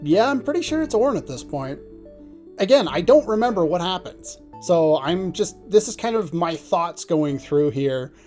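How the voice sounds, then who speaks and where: Gamer commentator rambling casually, pitch bouncing around, music playing behind. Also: very animated, moderate pace, darkish tone. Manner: rambling, thinking aloud. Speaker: let's play commentator. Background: radio drama music.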